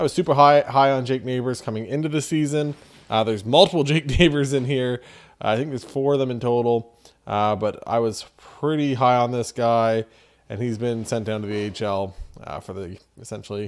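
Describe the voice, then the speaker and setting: A man talks at a fairly quick pace with ordinary pitch variation. The background is quiet. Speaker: card collector channel host. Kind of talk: casual vlog chat. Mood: relaxed, mildly excited. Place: home room. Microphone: studio mic.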